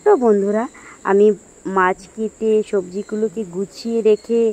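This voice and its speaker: A hoarse woman chatting casually to her viewers as friends while vlogging her day at home. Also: mid-range voice, fairly even intonation, moderate pace, a little mellow. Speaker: daily-life vlogger. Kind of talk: casual chat to camera. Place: at home, sitting under a ceiling fan.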